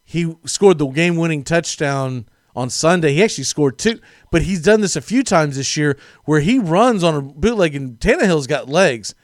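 A man hosting a casual sports talk show, animated and jokey, laughing often as he talks. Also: fairly high pitch, moderate pace, few pauses, no echo, studio quality.

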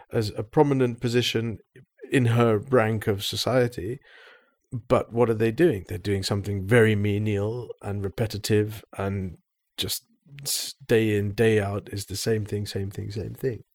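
A man with a somewhat low voice talks through his thoughts in a relaxed conversation. He sounds engaged and eager, laying out ideas step by step. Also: measured pace. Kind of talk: casual discussion.

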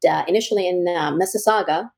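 A young Egyptian woman who works as a real estate broker talks casually as an interview guest. Her voice is lowish with vocal fry, and she's warm and laughs easily.

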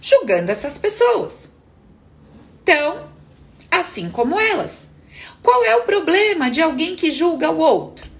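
A Brazilian woman therapist talking on a live stream. She answers viewers in a lively way, acts out little dialogues and asks frequent rhetorical questions. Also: very high-pitched, normal speed. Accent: Brazilian Portuguese.

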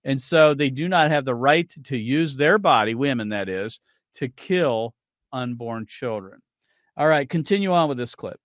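A man's voice: mid-range voice, lively intonation, normal speed, fairly bright tone, no echo, studio quality. A man hosting a radio talk show, giving opinionated, argumentative commentary and cueing clips to play.

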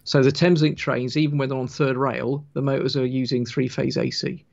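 Creaky-voiced man with a gentle Wiltshire accent. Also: mid-range voice, flat delivery, a little fast, dull audio. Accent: Wiltshire, English West Country. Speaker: guest author of a railway engineering book. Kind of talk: casual technical explanation on a livestream.

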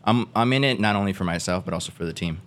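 Man from guatemala, very deep voice, hesitant, lots of ums, casual guest talk. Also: fast, fairly bright tone. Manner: hesitant, many fillers, laid-back storytelling. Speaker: podcast guest. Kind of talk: casual conversational interview.

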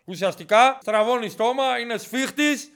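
A man in a comedy sketch playing a brash reality-show coach, speaking deadpan and acting out whiny contestants. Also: extremely high pitch, clear, resonant tone. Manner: deadpan, switches into whiny mock-contestant voices.

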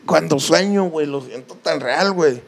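A man's voice: a little high, moderate pace, gravelly. A man with a Mexican accent in casual comedic chat, slangy and sweary, often repeating himself as he talks. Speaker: podcast co-host.

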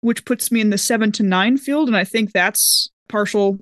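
A woman playing a tabletop roleplaying game, chatting casually and expressively as she thinks her moves out loud. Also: medium pitch, normal speed, no echo, clean studio sound. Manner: expressive, exclaiming, thinks aloud.

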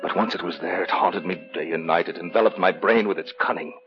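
An actor playing a nervous, guilt-haunted young man in an old-time radio drama, hesitant and pleading, breaking into frantic shouts. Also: low voice, brisk. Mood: brooding. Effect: old-time radio drama broadcast. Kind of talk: 1940s radio acting. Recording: dull lo-fi old radio recording with music.

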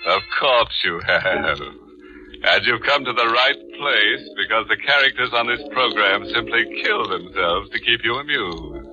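Over music, a man plays a ghoulish, gleeful horror show host in 1940s radio style, punning with tongue-in-cheek, macabre glee. His lowish voice is animated and measured in pace, heard through a dull 1940s-style radio recording.

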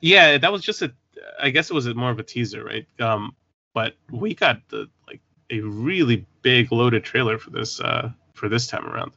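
Male podcast co-host, bright tense voice, jokey and rambling, lo-fi sound. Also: medium pitch, expressive, normal speed, creaky, dry recording. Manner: joking, rambling with fillers. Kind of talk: casual podcast chat. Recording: dull lo-fi dry sound.

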